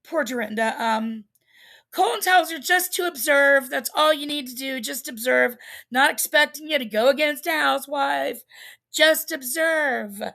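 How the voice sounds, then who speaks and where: A woman's voice: sits high, a little slow, creaky, sharp tone. A woman hosting a livestream, casually recapping a reality show in a chatty, rambling way with lots of fillers. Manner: chatty, rambling, laughs at herself, many fillers.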